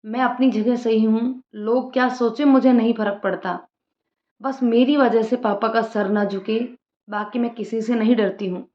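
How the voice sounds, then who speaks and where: A woman voicing a calm, resolute young woman. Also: fairly high pitch, normal speed, close to an everyday voice. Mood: earnest. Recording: roomy lo-fi room sound.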